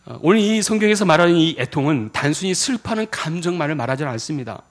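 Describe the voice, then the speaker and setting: Animated male pastor preaching. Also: a little high, fast. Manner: animated preaching, addresses the congregation with questions. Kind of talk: sermon. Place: church sanctuary.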